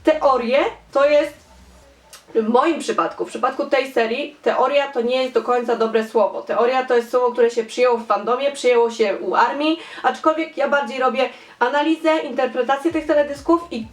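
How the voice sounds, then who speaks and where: A young woman chats animatedly as she reads viewer comments, her voice sitting a little high. She piles up repeated words for emphasis. The room around her rings with echo. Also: fairly even intonation, moderate pace. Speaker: fan theory vlogger. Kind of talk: casual chat reading comments. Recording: echoey room.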